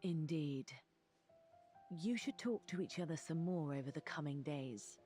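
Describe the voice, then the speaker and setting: A gentle, proper noblewoman as a woman reader plays her, low in pitch and unhurried. She speaks with genteel formality and poise, in a story read aloud. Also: lively intonation, soft background music. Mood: gently poised.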